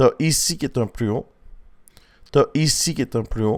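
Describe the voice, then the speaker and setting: A man with a fairly high voice speaks at a fairly slow pace in a Quebec accent. His intonation is lively, and the recording is very clean with a silent background. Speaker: crypto trading YouTuber. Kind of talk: chart analysis tutorial.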